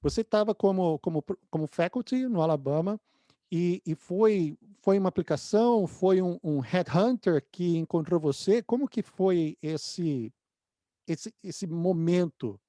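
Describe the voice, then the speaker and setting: A man's voice: sits high, unhurried, mellow, dry recording, clean studio sound. A man hosting an interview, giving short friendly affirmations and asking follow-up questions. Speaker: interview host. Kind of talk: casual interview conversation.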